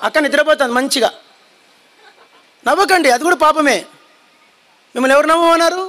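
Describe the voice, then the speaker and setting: A man preaching with fire to a congregation, his voice very high and sharp. He shouts his warnings and keeps pressing the listeners to answer and repeat after him. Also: a little fast. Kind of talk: fiery sermon. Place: church hall before a congregation.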